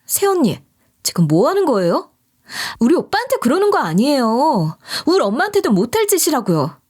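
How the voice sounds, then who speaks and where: A woman voicing a brash young sister-in-law who argues in a raised, rapid-fire voice in a storybook reading. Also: high voice, huge pitch swings, darkish tone, pitched above the performer's own voice. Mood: combative.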